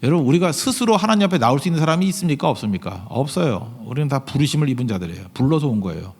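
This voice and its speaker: A man's voice: mid-range voice, very animated, racing, a little mellow, slightly rough. A middle-aged man preaching a sermon as pastor, emphatic and full of rhetorical questions to the congregation. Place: large church sanctuary. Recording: long reverb of a church hall.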